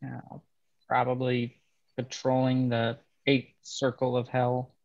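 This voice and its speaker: A male actor as a young railroad man, bitter and understated, with a gravelly edge to his voice. He speaks haltingly, as in a drama read-through, and the audio is slightly dull. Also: medium pitch, completely flat delivery, darkish tone.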